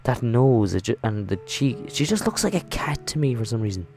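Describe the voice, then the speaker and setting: Rambling man with a creaky voice. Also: mid-range voice, very animated, a little fast, darkish tone, faint music behind. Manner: rambling, self-interrupting, apologetic. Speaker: video game let's-play host. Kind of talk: casual game commentary and read-aloud narration.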